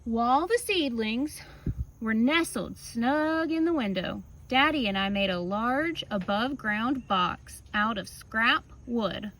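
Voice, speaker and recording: A woman reading a picture book aloud like a teacher, with casual asides and expressive, drawn-out emphasis on key words. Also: on the high side, rough recording. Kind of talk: children's story read-aloud with casual asides.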